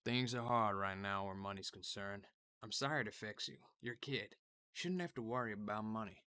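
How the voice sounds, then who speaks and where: A man's voice: lowish voice, normal speed, pushed and bright, clean tone. A man playing an opinionated middle-aged father in an audiobook drama, with a matter-of-fact manner. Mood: weary, defensive. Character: Dad, opinionated middle-aged father who enjoys arguing.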